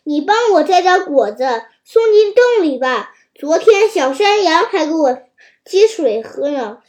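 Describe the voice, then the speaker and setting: A woman's voice: very high voice, big pitch swings, unhurried, a little mellow, heavily acted. Woman voicing a sly old lion. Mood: whining. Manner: wheedling, fake-friendly. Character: sly old male lion, scheming and fawning. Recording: roomy echo.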